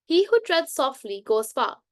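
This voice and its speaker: A fairly high-pitched woman reads a book aloud in a relaxed bedtime session. She stumbles and restarts words now and then and coughs occasionally. The sound is dry and close, with little room echo. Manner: halting reading with frequent restarts and self-corrections. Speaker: book reader. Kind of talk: unscripted bedtime book reading.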